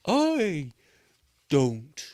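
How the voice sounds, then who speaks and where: A man voicing a slow, drawling sloth that stretches out each word. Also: on the high side, huge pitch swings, a little mellow, no room sound, clean studio sound, voice pushed up, exaggerated voice. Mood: weary. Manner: slow, drawn out, quavering.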